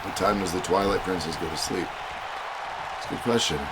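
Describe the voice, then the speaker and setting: Male stream host with a lowish, stuffy cold voice, chatty commentary over loud crowd noise. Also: steady tone, a little fast. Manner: chatty, reads donations and chat aloud. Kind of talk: casual stream chat with match commentary. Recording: loud music and crowd behind. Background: loud game music and crowd noise.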